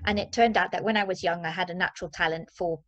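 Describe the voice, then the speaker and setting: A woman's voice: fairly low pitch, fast talker, no echo. Chatty woman in her forties, dry close sound. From Zimbabwe. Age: 40s. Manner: chatty, playful, expressive. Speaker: interview guest, mindset and movement coach. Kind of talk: casual conversational interview.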